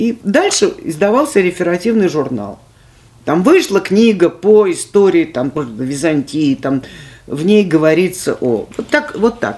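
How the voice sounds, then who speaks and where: At a fairly slow pace, a woman speaks at a medium pitch with very wide pitch swings over noticeable background noise. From Moscow. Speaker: philologist. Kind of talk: oral history interview. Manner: animated storytelling.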